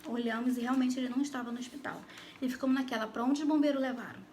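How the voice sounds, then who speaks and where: A woman's voice: sits high, fairly even intonation, racing, a little mellow, a little hiss or hum. A Brazilian woman with a Brazilian Portuguese accent telling a personal faith testimony, talking animatedly and addressing her listeners directly. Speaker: Christian YouTuber giving testimony.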